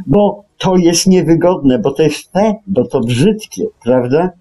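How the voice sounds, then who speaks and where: A man co-hosting a radio talk show, commenting conversationally in a sardonic, deliberate manner. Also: on the high side, lively intonation, dark tone.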